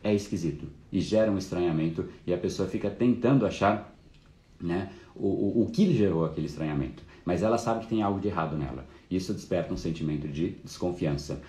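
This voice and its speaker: A man's voice: low voice, brisk, mellow, roomy sound. A man hosting a live course talk, explaining casually and fluently with frequent fillers. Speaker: course host.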